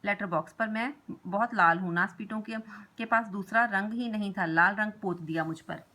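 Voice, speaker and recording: A woman's voice: medium pitch, normal speed, sharp tone. A woman voicing a kindly, chatty old male letter box who grumbles about scoundrels.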